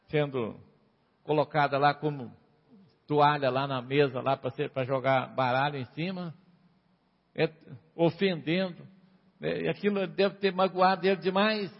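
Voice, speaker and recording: A man preaching a sermon to a congregation, reading scripture and explaining it with sharp rises and drops and frequent calls for amen. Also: a little high, vocal fry. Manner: emphatic, rises and falls sharply, asks the congregation for amens. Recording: dull lo-fi sound with long hall reverb.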